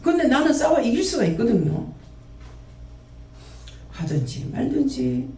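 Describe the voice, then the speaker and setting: A man's voice: extremely high pitch, very animated, measured pace, mellow. A man who runs a prayer house, preaching a sermon and scolding his listeners with one rhetorical question after another. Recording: roomy echo, mic at a distance.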